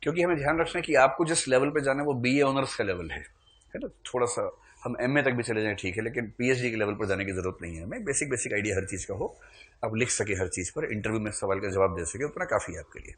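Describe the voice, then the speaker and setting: A man's voice: medium pitch, fast, fairly bright tone. A man teaching a classroom lecture in a conversational way, mixing humorous asides with explanation and checking in with his students.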